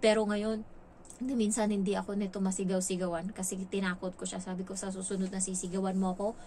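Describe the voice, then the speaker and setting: A woman's voice: mid-range voice, level tone, quick pace, dark tone, slight background noise. A woman from the Philippines vlogging casually and frankly about her work as a domestic helper abroad. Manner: chatty, frank, acts out quoted lines. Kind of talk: casual storytelling vlog.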